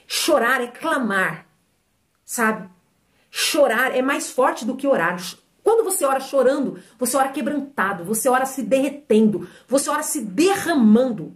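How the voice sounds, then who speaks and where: A middle-aged woman preaching an emphatic sermon, exhorting her listeners and asking them questions. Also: sits high.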